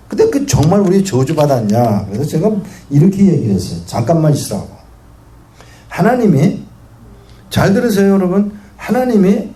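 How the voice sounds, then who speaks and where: A male guest pastor preaching a sermon to a congregation, telling stories and asking the audience questions. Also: a little high. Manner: animated storytelling preacher who asks the audience questions. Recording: echoey hall with faint noise.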